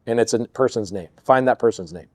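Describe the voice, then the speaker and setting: Man, podcast guest, animated storyteller, mid-pitched voice, dry close sound. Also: brisk, dry recording. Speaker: podcast guest, real estate investor. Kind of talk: storytelling interview chat.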